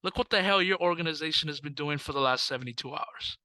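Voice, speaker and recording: Casting: man, sports podcast co-host, very bright and forward voice, blunt and jokey. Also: fairly high pitch, fast, dry recording, low-quality recording. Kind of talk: casual sports chat.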